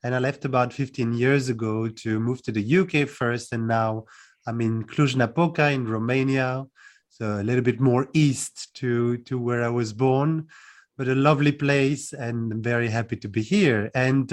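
Man, 40s, podcast guest, measured, reflective, friendly, middle pitch. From France. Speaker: guest, coach. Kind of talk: casual interview.

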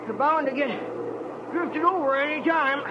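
An actor playing a folksy, chatty old American gas station owner in a 1940s radio drama, full of caution. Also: male voice, very high-pitched, moderate pace. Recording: muffled, noisy old radio recording.

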